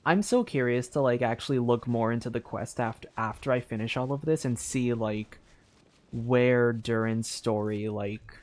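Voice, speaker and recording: A man's voice: mid-range voice, fairly even intonation, moderate pace. Rambling young man streaming a game. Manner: rambling, thinks aloud with many "like" fillers and restarts. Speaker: streamer playing a story game. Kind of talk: casual live-stream commentary.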